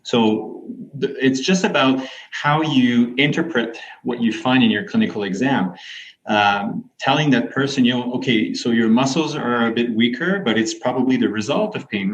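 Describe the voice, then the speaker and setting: A man's voice: mid-range voice, normal speed. A man, a physiotherapist and researcher, explaining his ideas fluently and evenly as a guest in a podcast interview. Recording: dull lo-fi audio.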